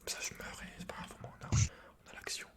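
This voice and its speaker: A man whispering casual, slangy, sweary ASMR commentary while he plays a video game, in a breathy unvoiced whisper. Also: fast talker, sharp tone. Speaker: host of an ASMR gaming channel. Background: computer keyboard clicks and typing.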